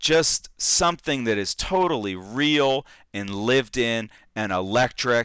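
A man at medium pitch with an American accent, lively intonation, and a fairly slow pace, dry and close with no echo against a quiet background. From Florida, Orlando. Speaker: live streamer and film reviewer. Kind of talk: live stream commentary.

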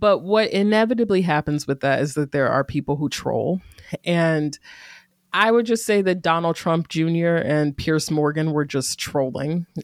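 In a very clean recording with a silent background and a dry, close sound with no echo, a woman with an American accent and a normal speaking voice talks at a moderate pace, her pitch fairly low with ordinary variation and her loudness very even. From US South, North Carolina (Greensboro). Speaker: yoga teacher. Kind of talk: interview.

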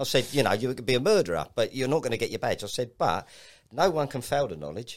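Talking at a very fast pace, a man uses vocal fry and very wide pitch swings around a medium pitch. The recording is very clean with a silent background. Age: 60s. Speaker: taxi driver and knowledge teacher. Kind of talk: casual chat. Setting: studio.

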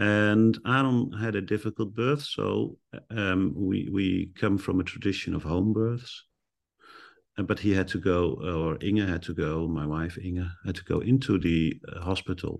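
Speaking at a fairly slow pace, a man with a very deep, low pitch shows ordinary pitch variation over a quiet background. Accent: Dutch. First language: Dutch. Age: 50s. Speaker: theologian and management consultant. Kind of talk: casual chat.

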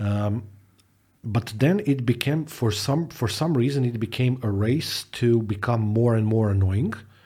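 The speech moves at a fairly slow pace and is somewhat breathy. Loudness stays very even throughout. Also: man, medium pitch for a man, ordinary pitch variation. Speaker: IT podcast co-host. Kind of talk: casual chat.

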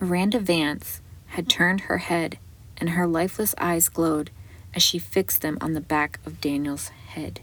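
A woman's fairly low-pitched voice, a plain, everyday voice, at a fairly slow pace. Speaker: horror audiobook narrator. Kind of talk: horror audiobook narration, scripted reading aloud. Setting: solo recording, channel intro and outro.

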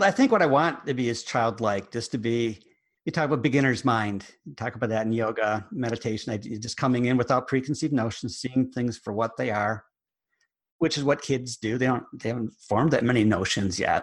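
Against a quiet background, a man with an American accent and a normal speaking voice talks at a fairly quick pace, medium in pitch, with ordinary pitch variation. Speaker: ADHD coach. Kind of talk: interview conversation.

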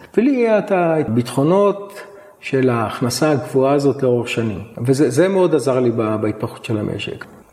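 Noticeable background noise under a man's fairly high voice, moderate in pace, with very wide pitch swings. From Israel, Beersheba. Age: 60s. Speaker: flower farmer. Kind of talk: interview.

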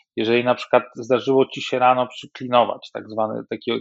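At a fairly quick pace, a man speaks in a medium-pitched, flat monotone. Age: 40s. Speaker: film producent and author recovering from addiction. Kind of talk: interview.

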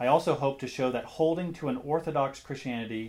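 Here is an unremarkable speaking voice at a fairly quick pace. The intonation is lively. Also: man. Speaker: lecturer. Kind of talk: lecture. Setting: lecture hall with audience discussion.

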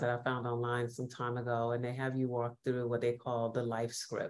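Speaking at a fairly quick pace, a woman with a New York accent has a very deep, low pitch. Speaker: podcast host and organizational consultant. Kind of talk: interview, casual professional chat.

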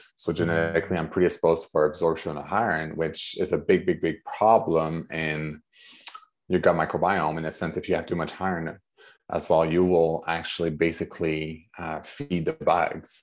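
In a very clean recording with a silent background, a man with a French Canadian accent speaks at a moderate pace with a very deep, low pitch and fairly even intonation. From Quebec, Canada. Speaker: health practitioner and podcast host. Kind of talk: interview, casual conversation.

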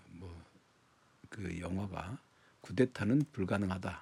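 A man's dark, mellow, somewhat breathy voice at a very slow pace. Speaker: podcaster and veteran Marine commenting on current affairs. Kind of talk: casual solo monologue. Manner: halting, with frequent self-corrections.

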